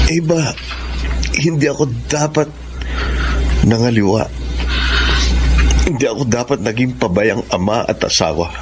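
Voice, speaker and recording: A man's voice: medium pitch, close to an everyday voice. An actor playing a remorseful husband who cares for his disabled wife, speaking earnestly in a radio-style drama. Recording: voice over loud music.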